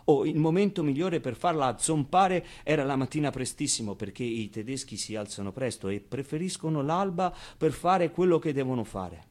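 An actor playing a streetwise, tender orphaned Muslim boy in a theatrical monologue, confiding in the audience in a halting, colloquial way. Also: mid-range voice, darkish tone, natural voice. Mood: wry, musing.

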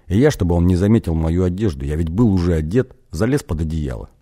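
A man's voice: low-pitched, animated, quick pace, dark tone. A man voicing a sheepish young novice sorcerer who answers hesitantly and defensively.

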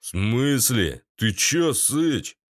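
A man's voice: mid-range voice, sing-song, very slow, full character voice. A man voicing a coarse, dim-witted hulking henchman who talks in slang.

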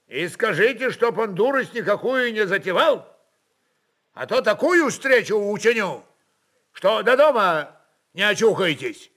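A man's voice: high voice, very animated, a little slow, fairly bright tone, voice pushed up, exaggerated voice. A man voicing a haughty, impatient governor of old Russia in an audio story, stern and commanding. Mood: stern warning.

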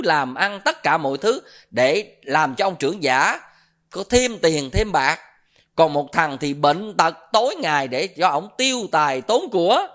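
A Buddhist preacher delivers a dharma sermon at a middling pitch. The speaker keeps putting questions to the listeners and repeats filler words while searching for the next phrase. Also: fairly bright tone. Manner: asks the audience rhetorical questions.

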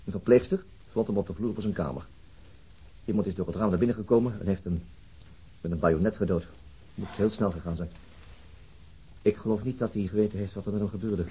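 Chief inspector, husky, dark soft timbre, calm, tactful, hesitant, radio crime drama. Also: male voice, fairly low pitch, quick pace, pauses often, low-quality recording. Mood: grave, careful. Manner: hesitant, polite. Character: calm, tactful male police chief inspector questioning gently. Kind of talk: naturalistic radio drama acting.

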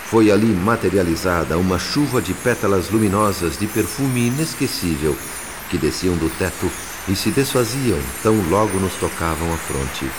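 An actor with a Brazilian accent playing a solemn spirit who narrates a radio drama in measured, literary language. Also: male voice, sits low, lively intonation, noisy background. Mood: moved, solemn. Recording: long reverb, loud music behind. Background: music.

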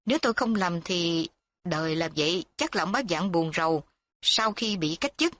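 A woman's voice: lowish voice, lively intonation, moderate pace, fairly bright tone. A woman reading a story voices a man on a wood boat who gives vague, offhand replies.

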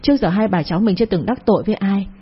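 A woman's voice: medium pitch, very fast, breathy edge, dull audio. A woman voicing a grief-stricken young village woman who pleads and talks through her distress. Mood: tearful.

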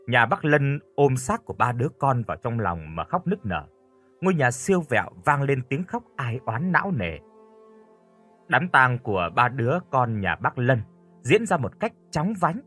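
A man narrating a scripted first-person horror story in an expressive storytelling voice. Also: medium pitch, husky.

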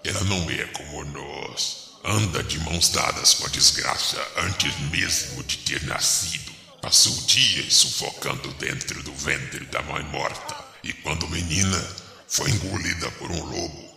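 Cavernous, gravelly ghost voice. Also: male voice, a bass voice, measured pace, pushed and bright, voice pushed down, exaggerated voice. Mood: ominous. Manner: solemn, archaic formal phrasing, sardonic. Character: ghostly old man, grim sardonic cemetery guide. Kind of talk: theatrical horror audio drama. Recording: echoey hall reverb, music behind.

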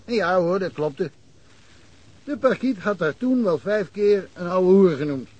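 An actor playing a talkative middle-aged provincial police detective in a radio drama, telling wry stories and chuckling often. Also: male voice, high-pitched, expressive, a little slow, a little mellow, lo-fi sound. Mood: amused, chatty.

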